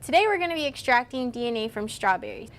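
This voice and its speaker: A woman's voice: fairly high pitch, lively intonation, fast talker. A woman presenting a demonstration in a casual explaining style. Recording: faint music under the voice. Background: music.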